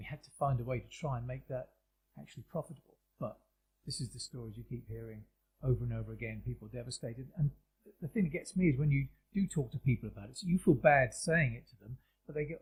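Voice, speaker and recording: This man has a British accent and a medium pitch with some vocal fry. He talks at a fairly quick pace with lively intonation. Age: 60s. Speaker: podcast host and small business owner. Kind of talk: casual interview conversation.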